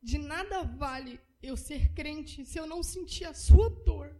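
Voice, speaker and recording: Young woman, high mellow voice, heartfelt church testimony, repetitive telling. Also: a little slow, rough recording. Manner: emotional, repetitive storytelling. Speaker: church member giving testimony.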